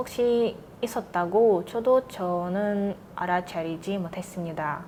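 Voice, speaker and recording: This speaker has a Russian accent and talks at a very slow pace. Pitch varies in an ordinary way. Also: woman. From Kazakhstan. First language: Russian (speaking Korean). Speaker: university student. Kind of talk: interview. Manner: formal.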